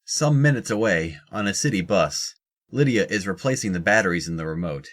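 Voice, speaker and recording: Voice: low voice, expressive, fairly quick. A narrator reading scripted descriptions of the action in an audio drama.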